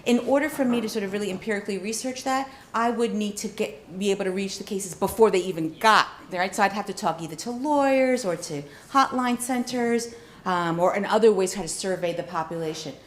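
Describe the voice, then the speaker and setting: A woman professor answering questions after an academic talk in an analytical, measured manner. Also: mid-range voice. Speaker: law professor giving a book talk and taking questions.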